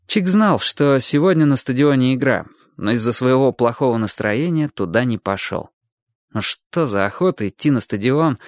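A man narrating a literary story with expressive, lively storytelling. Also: mid-range voice, dry recording, clean studio sound. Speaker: audiobook narrator.

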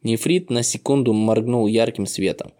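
A man reading a fantasy novel aloud in steady scripted narration. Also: mid-range voice, moderate pace. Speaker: audiobook narrator.

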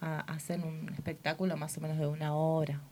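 A woman's voice: sits low, level tone, a little fast, a little mellow, a little hiss or hum. A woman from Rosario with an Argentine Spanish accent, a theater group member talking as a guest on a radio show, hesitant with many fillers. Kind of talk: casual interview answers. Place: small radio studio.

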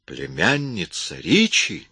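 A man voicing a brutal, menacing man who speaks slowly and threateningly. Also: lowish voice, animated, pushed and bright, dry recording, full character voice. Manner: threatening, slow and heavy.

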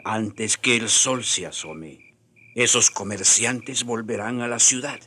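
An actor playing a grave, watchful tribal chief and father in a radio drama, husky and measured in his commands. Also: on the low side, pushed and bright, slight background noise, full character voice. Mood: stern, measured.

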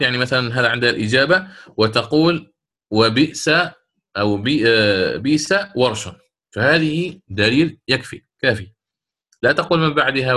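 A man teaches Quran recitation rules in an even, mid-pitched voice. He draws out the quoted verses in a slow chant, then explains them at a brisk pace. He often corrects himself along the way. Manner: frequent self-corrections and fillers.

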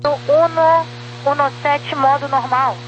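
A woman's voice: sits high, steady tone, measured pace, faint music behind. A woman working as an air traffic controller, giving procedural instructions over a walkie-talkie style radio. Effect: over walkie-talkie style aviation radio. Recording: dull, faintly noisy radio channel with hum.

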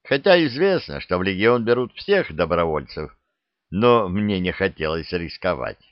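Guy doing a blunt old army vet, lowish voice that swings around a lot, kinda dull dry sound. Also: sing-song, normal speed, no room sound. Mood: wry. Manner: dry, self-deprecating soldier's talk. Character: older male veteran soldier, wry and blunt. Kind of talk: audiobook character reading.

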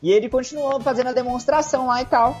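A young man with a Brazilian accent co-hosting a casual podcast chat, telling stories in an animated way and acting out the people in them. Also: very high voice, quick pace, soft background music. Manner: animated storytelling, acts out voices in anecdotes. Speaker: podcast co-host.

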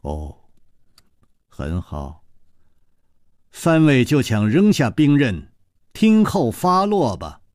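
A male storyteller voicing a haughty, menacing woman in white who speaks low and quietly. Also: sing-song, slow, dry recording, clean studio sound. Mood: cold. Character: cold haughty woman in white, sect leader.

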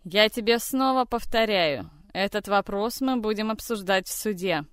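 Figure: furious man voiced by a reader. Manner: shouting, harsh, accusing. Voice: smooth and clear, louder and higher than the narration. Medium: audiobook. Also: moderate pace, no echo, clean studio sound, close to an everyday voice. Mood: enraged. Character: furious man, a general's grandson, lashing out.

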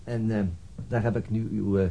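An actor playing a dogged, weary male police detective in a Dutch radio drama, speaking haltingly. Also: lowish voice, level tone, gravelly, mellow. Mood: cautious, formal. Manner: hesitant, halting.

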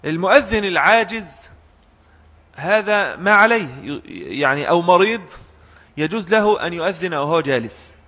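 Male religious teacher, slightly high voice, switching between formal and colloquial speech, recorded with long hall reverb. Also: sharp tone. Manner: mixes formal Arabic with colloquial asides, demonstrates chanted phrases. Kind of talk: classroom fiqh lesson.

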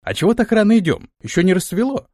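A man's voice: high voice, very animated, quick pace, warm tone, no room sound, clean studio sound, voice pushed up. A man voicing a petulant, indignant young man in an audiobook. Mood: eager.

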